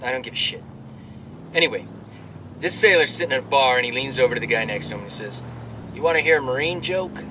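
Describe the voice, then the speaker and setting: An actor playing a brash, crude army soldier telling jokes with swaggering military banter and drawn-out delivery. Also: male voice, mid-range voice, distant mic, background noise, natural voice. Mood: cocky, joking. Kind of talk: military banter, performed joke storytelling.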